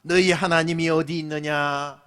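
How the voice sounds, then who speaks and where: Dramatic Korean pastor with a Busan accent. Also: male voice, on the high side, steady tone, normal speed, smooth. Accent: Busan Gyeongsang dialect. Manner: dramatic preaching, swings from loud to whispered lines; acts out mocking voices of scoffers. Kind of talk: sermon.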